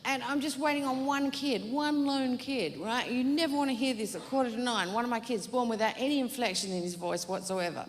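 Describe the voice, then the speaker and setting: A woman's voice: a little high, a little fast, hardly any pauses. A woman doing a stand-up comedy set, telling rambling, self-mocking stories. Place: comedy venue stage. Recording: live stage with long hall reverb. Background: faint audience laughter.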